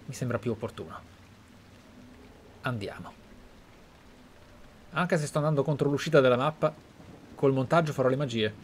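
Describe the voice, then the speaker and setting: A man's voice: medium pitch, moderate pace, long pauses, slight background noise. An Italian man hosting a video game playthrough, reading and commenting in a theatrical, formally phrased way. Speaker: gaming video host.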